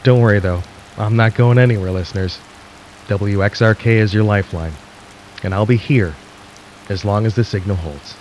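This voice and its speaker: A man playing an anxious, ominous radio host in a radio drama, addressing listeners haltingly as the world ends. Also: fairly low pitch, darkish tone, dull audio, a little hiss or hum, lightly acted. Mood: ominous, uneasy. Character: anxious late-night radio host broadcasting through an apocalypse.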